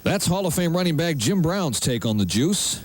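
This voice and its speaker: A man's voice: fairly high pitch, very animated, normal speed, no echo. A man working as a morning radio co-host and newsreader. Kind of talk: news reading and banter.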